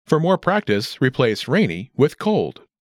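Man narrating a lesson with lively pitch. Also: unhurried, no room sound, studio quality. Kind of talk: scripted instructional narration.

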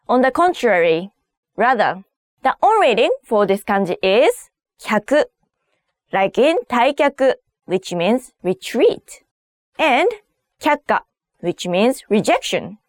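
High-pitched, very lively woman teacher. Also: slow pace, dry recording, studio quality. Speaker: host of a kanji lesson series. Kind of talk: scripted language lesson narration.

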